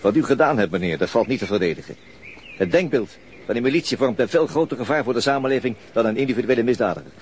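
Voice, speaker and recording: An actor playing a gruff, world-weary middle-aged detective and father in a naturalistic radio drama. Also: mid-range voice, lively intonation, fast, a little mellow, a little hiss or hum, lightly acted. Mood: stern, lecturing.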